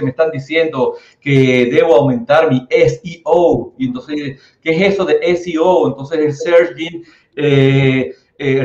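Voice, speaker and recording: Middle-aged host, enthusiastic and chatty, mid pitch, echoey muffled video call sound. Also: male voice. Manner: enthusiastic, chatty, uses filler "este". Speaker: webinar host. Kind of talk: hosting a webinar panel. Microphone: video call, laptop mic. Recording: roomy, dull video call audio.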